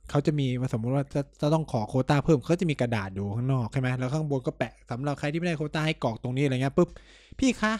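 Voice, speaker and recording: A man's voice: mid-range voice, racing, few pauses, no echo, studio quality. A young man chatting casually and crudely with a friend, telling anecdotes and acting out the people in them. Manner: animated storyteller, acts out quoted voices.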